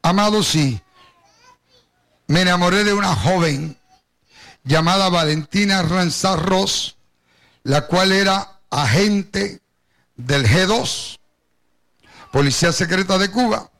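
A man's voice: high voice, slow pace, long pauses, a bit bright. An older man from Puerto Rico with a Caribbean Spanish accent tinged with Cuban, preaching a personal testimony and addressing his congregation directly as he tells his story. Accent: Caribbean Spanish, Puerto Rican with Cuban influence.

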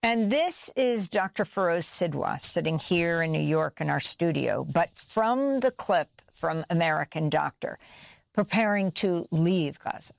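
Woman host with a gravelly voice, dry studio sound, brisk and direct. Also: lowish voice, expressive, no room sound. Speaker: news show host. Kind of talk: interview questions and introductions.

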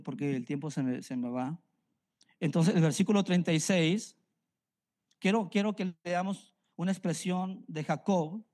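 A man's voice: on the high side, a little mellow. A middle-aged man from Mexico with a Mexican Spanish accent, preaching a sermon earnestly and repeating phrases for emphasis. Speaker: pastor.

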